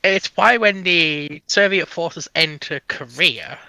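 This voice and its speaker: A man's voice: fairly high pitch, slow, gravelly, bright, forceful tone, no echo. A man on a livestream panel, explaining history casually and step by step in short clauses.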